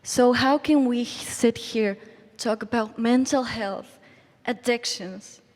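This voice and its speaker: A woman with a foreign accent asking a question at a town hall, deliberate and appealing as she recites figures. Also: a little high, darkish tone. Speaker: audience member asking a question. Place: large university hall. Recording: long hall reverb.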